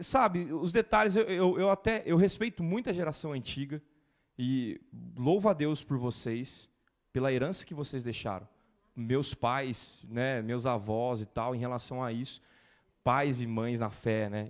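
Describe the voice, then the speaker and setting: A male pastor preaching a sermon in a lively way, mimicking complaining churchgoers. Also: mid-range voice, measured pace.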